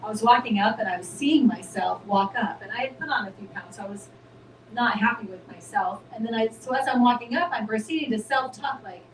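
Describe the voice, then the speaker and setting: Woman co-host, animated storyteller, distant mic in a roomy space. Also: on the high side, a little fast, a little hiss or hum. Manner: animated storytelling, acts out her own self-talk. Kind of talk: casual spiritual chat.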